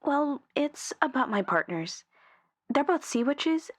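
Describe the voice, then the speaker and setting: A woman's voice: mid-range voice, no echo. A woman playing an insecure, self-doubting caller on a radio drama phone-in, hesitant and downcast in manner. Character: insecure, self-doubting female scuba instructor calling radio. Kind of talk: scripted audio drama phone-in.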